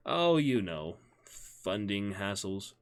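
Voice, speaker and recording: A man's voice: lowish voice, very animated, slow. A man voicing a smitten, awkward young man in his twenties in a storybook reading, with brief, sheepish replies. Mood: sheepish, agreeable.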